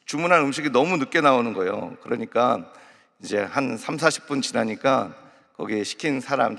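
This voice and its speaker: Male pastor, gravelly voice, chatty sermon style with light anecdotes, recorded with long reverb in a large church. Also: mid-range voice, a bit bright. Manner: conversational, explaining and telling lighthearted anecdotes. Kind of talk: early morning sermon.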